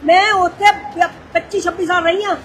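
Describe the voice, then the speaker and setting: A woman's voice: very high-pitched, fairly even intonation, normal speed, fairly bright tone. A middle-aged woman arguing heatedly, agitated and accusing, talking over the others. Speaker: distressed woman being persuaded to return abroad. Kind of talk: heated real-life argument. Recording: crowd noise clearly behind.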